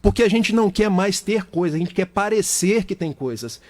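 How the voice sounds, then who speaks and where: A man's voice: high-pitched, lively intonation, normal speed. A middle-aged Brazilian man with a Brazilian Portuguese accent, a guest speaker on a radio talk show, explaining at length with everyday examples.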